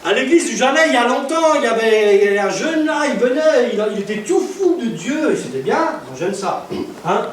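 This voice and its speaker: A male evangelist tells stories from the pulpit, his fairly high voice jumping into loud bursts and acted-out dialogue. He is picked up from a distance in a very echoey church hall, with a faint hiss underneath. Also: fairly quick. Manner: lively, loud bursts, laughs and acts out dialogue. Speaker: evangelist preacher. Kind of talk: storytelling sermon.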